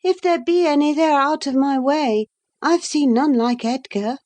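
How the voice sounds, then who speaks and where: A woman's voice: high-pitched, moderate pace, darkish tone, voice pushed up, close to an everyday voice. A woman reading a passionate, moody young woman in an audiobook, speaking in an impassioned, emphatic way. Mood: defiant. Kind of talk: audiobook character voice.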